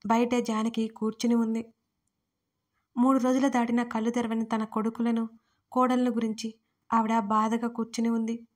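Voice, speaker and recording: A woman narrating a serialized audio story in an even, steady reading. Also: a little high, normal speed, pauses often.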